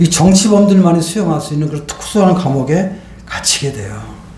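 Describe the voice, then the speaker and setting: A man's high-pitched voice at a moderate pace, with audible room echo and noticeable background noise. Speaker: retired preacher. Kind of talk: sermon.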